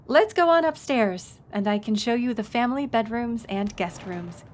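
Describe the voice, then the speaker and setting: A woman's voice: on the high side, moderate pace, a little hiss or hum, lightly acted. A woman playing a friendly, knowledgeable historic house tour guide in an audio roleplay, speaking in an informative, conversational way. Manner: conversational, informative, engages the listener with questions.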